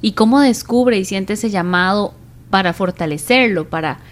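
A woman's voice: medium pitch, lively intonation, moderate pace. A woman hosting a radio interview, welcoming her guest and asking questions in a friendly, encouraging way.

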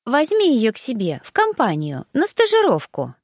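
A woman's voice: high voice, wildly swooping pitch, moderate pace, husky, no room sound, clean studio sound, pitched above the performer's own voice, heavily acted. A woman voicing a cheerful, bubbly young woman who talks playfully and pouts. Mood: pleading. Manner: bright, playful, pouty.

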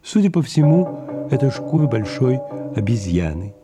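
A man reading the stage directions of an audio drama in a measured, even delivery. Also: medium pitch, over music. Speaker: narrator.

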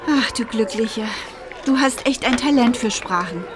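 A woman's voice: on the high side, normal speed, crowd noise, noisy background, natural voice. A woman playing an outspoken, protective teenage schoolgirl in a radio play, talking in a direct and indignant way. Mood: friendly.

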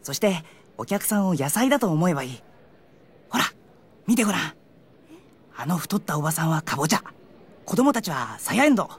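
A woman voicing an earnest, nervous high school boy with a husky voice in an audio drama. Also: very animated, a little fast, pauses often, full character voice. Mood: reassuring, confident. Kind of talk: Japanese anime-style audio drama acting.

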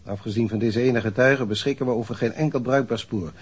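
An actor as a husky, businesslike police chief. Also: male voice, mid-range voice, fairly quick, natural voice. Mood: businesslike, concerned. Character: male police superior, businesslike, courteous but insistent. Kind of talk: naturalistic radio drama dialogue.

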